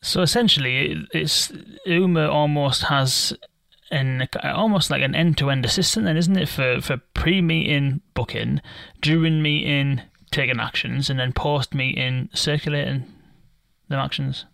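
Gravelly-voiced male host, mid-pitch, dry sound, sums up his guests' points. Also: unhurried, fairly bright tone, no room sound. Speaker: interviewer. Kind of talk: business interview.

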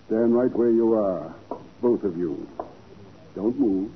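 A man's voice: on the low side, takes it slowly. A man playing an outwardly courteous but cold-blooded swindler in a 1940s radio drama, speaking formally. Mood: cold, menacing. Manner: formal, courteous, hesitant, menacing when cornered. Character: outwardly polite, cold male fraudster and murderer. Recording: tinny, noisy 1940s radio recording.

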